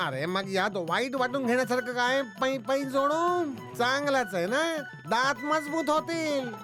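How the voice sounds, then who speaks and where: A woman voicing a miserly, crafty male village shopkeeper in an animated moral story for children. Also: high voice, a little slow. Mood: wheedling. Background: music.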